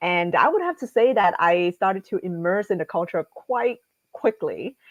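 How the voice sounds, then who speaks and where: At a moderate pace, a woman talks with a medium pitch. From Vietnam, Chinese family; moved to US at twelve. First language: Cantonese. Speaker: financial professional. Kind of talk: podcast interview. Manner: some hesitation, stumbles.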